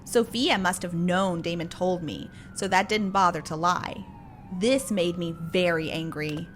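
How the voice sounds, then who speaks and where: A woman's voice: lowish voice, unhurried, slight background noise. A woman narrating a dramatic first-person story in a plain storytelling manner. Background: music.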